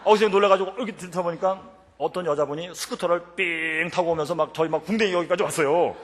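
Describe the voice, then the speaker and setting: A middle-aged man delivers a revival-meeting sermon at a rapid clip. His voice sits fairly high and rings with a long hall reverb. He swings between fervent prayer and lively, chatty storytelling. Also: slight background noise. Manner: animated, switches between fervent shouted prayer and chatty anecdote. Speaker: preacher and professor. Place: church sanctuary.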